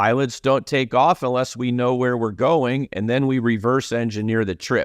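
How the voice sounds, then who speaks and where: A man speaks at a moderate pace against a quiet background, medium in pitch with ordinary pitch variation, in an ordinary speaking voice. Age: 60s. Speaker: business consultant and former CEO. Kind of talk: podcast interview.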